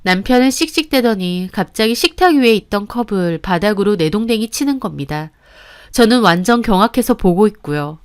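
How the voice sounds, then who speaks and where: Woman narrator, smooth resonant voice, first-person radio story, earnest telling. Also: mid-range voice, lively intonation, normal speed.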